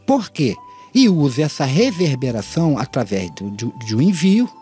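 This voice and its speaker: A man's voice: medium pitch, sing-song, normal speed, dark tone, soft background music. A middle-aged Brazilian man with a tongue-tied lisp and slushy s sounds, giving an earnest, informal lesson and often rephrasing his points. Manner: earnest, repeats and rephrases his points, addresses listeners formally. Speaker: host of an audio mixing tutorial channel.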